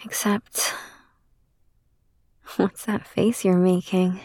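A woman whispers in a soft, soothing ASMR roleplay, close to the microphone. Her voice is low, breathy and mellow, and she takes her time over every word. The sound is dry and intimate. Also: little pitch movement, extremely slow, no echo.

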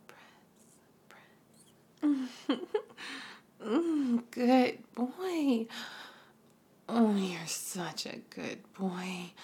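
Slow, whispering woman with soft vocal fry. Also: mid-range voice, a little hiss or hum. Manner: breathy whispering with soft hums; slow, coaxing, intimate delivery. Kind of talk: whispered adult ASMR roleplay. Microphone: close microphone.

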